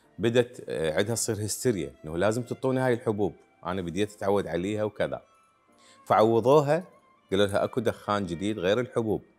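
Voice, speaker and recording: Faint music plays in the background as a man talks at a fairly quick pace with a fairly low pitch and ordinary pitch variation. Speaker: TV program host. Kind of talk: storytelling narration to camera. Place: studio. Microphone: lapel.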